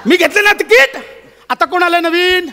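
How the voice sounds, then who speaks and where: Loud, bossy Marathi comic man. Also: very high-pitched, normal speed, long reverb tail, slight background noise. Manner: loud, bullying, shouting orders. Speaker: comedian. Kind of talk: live comedy sketch. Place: stage before a live audience.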